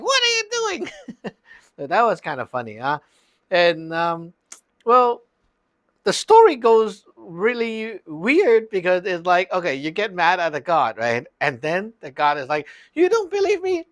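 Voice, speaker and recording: Slow-talking man teaching in a dry room. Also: fairly high pitch, fairly bright tone, dry recording. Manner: loose and chatty, peppered with "like" and "okay?". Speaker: Taoist teacher. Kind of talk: casual spoken lesson.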